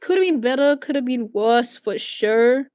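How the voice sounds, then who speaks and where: A woman's voice: a little high, lively intonation, normal speed, a little mellow, clear, resonant tone. A teenage woman from Malaysia streaming, chatting casually and answering viewer questions, rambling with restarts and swearing.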